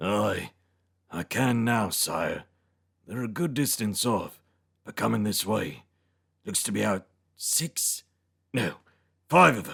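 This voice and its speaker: A man's raspy, put-on character voice with lively intonation, a fairly slow pace and long, frequent pauses. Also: medium pitch for a man. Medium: read story. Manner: deferential, quiet.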